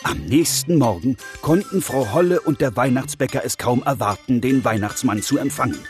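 A man reading a children's bedtime story in a gentle, expressive way. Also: medium pitch, moderate pace, soft background music. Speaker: narrator. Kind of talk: scripted storybook narration.

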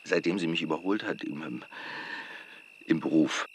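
A man's voice: extremely low pitch, moderate pace, a little hiss or hum. An actor playing a troubled husband and father who stammers and talks restlessly. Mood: despairing. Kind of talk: film drama acting.

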